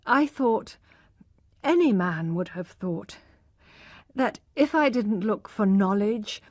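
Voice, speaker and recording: Rich: A hard, logical young husband who speaks forcefully and reproachfully, read by a woman. The delivery is slow and measured. It is recorded close in a dry room. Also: mid-range voice, lively intonation, no room sound.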